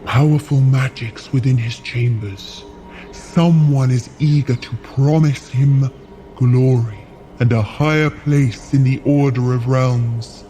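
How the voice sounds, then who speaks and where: A man acts out a solemn frost giant in a fantasy audio drama. The voice is unhurried and mellow, with the grave, weary idealism of a shaman's son telling an old story. Faint music sits behind it. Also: mid-range voice, steady tone, natural voice. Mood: conspiratorial. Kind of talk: scripted audio drama acting.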